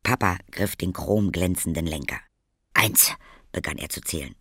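A man calmly narrating a children's storybook. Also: low voice, brisk, dry recording, clean studio sound. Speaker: audiobook narrator.

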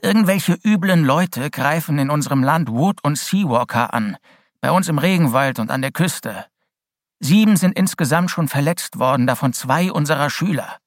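A man voicing a gruff, bitter old male school headmaster and former policeman who growls his words curtly. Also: on the high side, expressive, moderate pace, dry recording, studio quality, pitched above the performer's own voice. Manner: growling, curt.

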